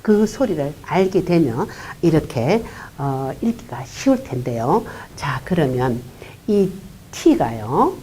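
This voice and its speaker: Low, lively-voiced woman teaching pronunciation. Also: a little hiss or hum. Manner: unhurried explaining with frequent "uh" fillers; quietly voices single consonant sounds. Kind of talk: classroom-style pronunciation lecture.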